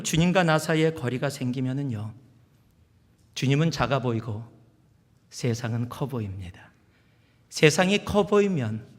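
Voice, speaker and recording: A middle-aged man from Chungcheong preaching a sermon as pastor, swinging from loud exhortation to hushed whispers. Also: mid-range voice. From Chungcheong, South Korea. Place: large church sanctuary. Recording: long church hall reverb.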